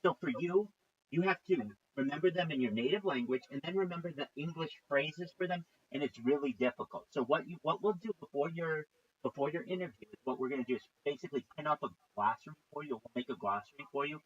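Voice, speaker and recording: A man's voice: on the high side, highs cut off, a little hiss or hum. A man coaching a caller over a call, full of encouragement and praise. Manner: encouraging, praising, slow and reassuring. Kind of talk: casual video call coaching.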